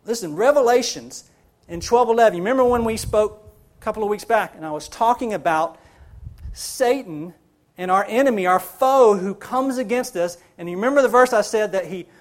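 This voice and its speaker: A man's voice: extremely high pitch, lively intonation, moderate pace. A man preaching a sermon as pastor, building emphasis and repeating phrases for stress.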